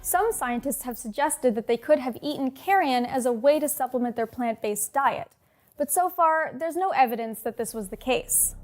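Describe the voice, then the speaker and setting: A woman's voice: sits high, expressive, normal speed, a little mellow, faint music behind. A woman narrating a scripted nature documentary as the presenter of an animal show. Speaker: host and narrator of an animal channel.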